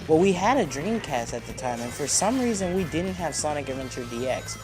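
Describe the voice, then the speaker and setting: A fourteen-year-old boy with a fairly high, animated voice talks briskly while playing a video game. He narrates the playthrough casually, rambling and sharing strong opinions over the game's music.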